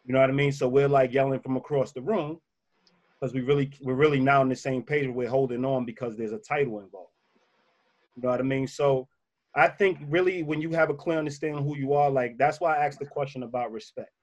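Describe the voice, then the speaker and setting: A man with a slightly bassy voice who co-hosts a casual advice talk and drives his points home by repeating them. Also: fairly even intonation, fast talker, muffled recording. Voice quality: a little bassy voice. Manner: emphatic, repeats key points.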